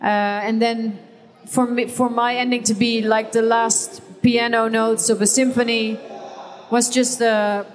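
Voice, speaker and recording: Panel guest: Dutch-accented woman, slightly high voice, pauses to find words, long hall reverb. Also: flat delivery. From Netherlands. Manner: hesitant, searching for words. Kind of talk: live panel Q&A.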